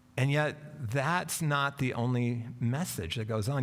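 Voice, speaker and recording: This man has an unremarkable speaking voice at medium pitch. He keeps a moderate pace and fairly even intonation. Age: 60s. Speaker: minister. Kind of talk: sermon.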